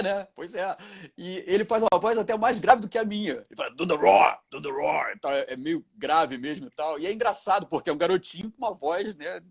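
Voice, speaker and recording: A male voice actor and dubbing director, answering interview questions with animated stories, acting out quoted lines in other voices and laughing often. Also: high voice, husky.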